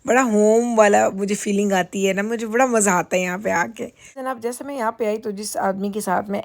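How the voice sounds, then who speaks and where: Chatty middle-aged woman with gravelly voice. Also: mid-range voice, darkish tone. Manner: chatty, rambling, laughs easily. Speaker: vlogger. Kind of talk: casual vlog chat. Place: car while driving, then dealership lounge.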